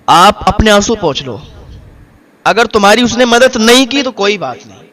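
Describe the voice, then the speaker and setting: A man's voice: high voice, expressive. Man voicing a kind consoling stranger. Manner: consoling, reassuring, gently insistent. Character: kind Christian stranger, warm-hearted protective man.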